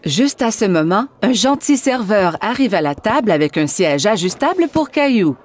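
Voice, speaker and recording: A woman narrating a scripted children's cartoon story in an expressive storytelling manner. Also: medium pitch, moderate pace.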